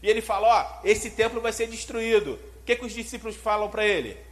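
A man preaching a sermon, animated and conversational, often putting questions to his listeners. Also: sits high, brisk.

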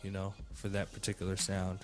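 Low-pitched man chatting casually, music behind. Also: completely flat delivery, brisk. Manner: slangy, conversational, swears freely. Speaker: music producer hosting a panel Q&A. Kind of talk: casual chat.

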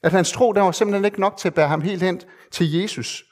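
A man preaching a sermon in an earnest, conversational way, with hesitant fillers and repeated phrases for emphasis. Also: high voice.

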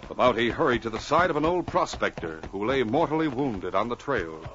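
A man's voice: mid-range voice, big pitch swings, a little fast. A man announcing and narrating dramatically and emphatically in 1940s radio style. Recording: dull, noisy old radio recording.

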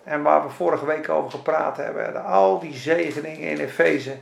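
Male pastor, high gravelly voice, lively colloquial sermon, roomy echo and faint ambience. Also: moderate pace, a little hiss or hum.

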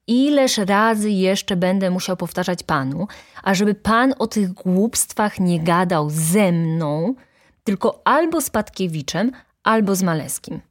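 A woman voicing a hot-tempered, indignant poor young male student who shouts in outrage. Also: mid-range voice, lively intonation, unhurried.

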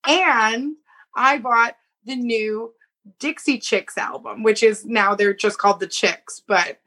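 A woman's voice: fairly high pitch, steady tone, takes it slowly, sharp tone. A woman co-hosting a podcast, telling rambling stories in casual chat. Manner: rambling, filler-heavy storytelling. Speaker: podcast co-host.

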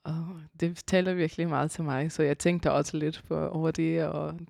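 A woman, a composer and vocalist, talking as a guest in a casual radio interview and often pausing to search for words. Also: low voice, little pitch movement, creaky, darkish tone, no echo, clean studio sound. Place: concert hall.

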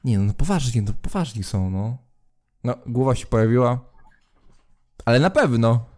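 A man at a middle pitch narrates a tabletop role-playing game as its game master. He talks to the players in the second person and describes the scene, stumbling and restarting here and there as he goes. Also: animated, moderate pace, darkish tone.

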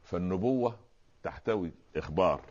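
A man with an Egyptian Arabic accent, a preacher explaining religious words in a lively talk-show conversation, often asking rhetorical questions. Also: deep voice, a little fast, highs cut off. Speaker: Islamic preacher, guest scholar.

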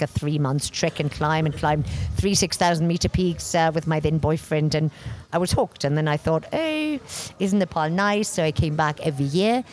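A woman from Bavaria, in her forties, talking loudly and animatedly as an interview guest. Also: deep voice, slight background noise. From Germany, Bavaria. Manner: loud, animated storyteller. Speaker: interview guest, expedition record keeper. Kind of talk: casual interview talk.

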